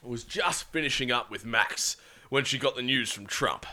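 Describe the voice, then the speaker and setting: A man's voice: medium pitch, normal speed, sharp tone. A man hosting a show and reading out a comic sci-fi story, often breaking into laughter. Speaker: storyteller and host.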